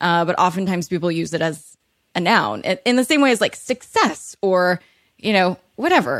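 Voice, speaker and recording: A woman with an American accent, medium in pitch, lively in intonation and moderate in pace, on a very clean recording with a silent background and a dry, close sound with no echo. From Orange County, California. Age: 30s. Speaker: author and finance podcast host. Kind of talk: casual interview.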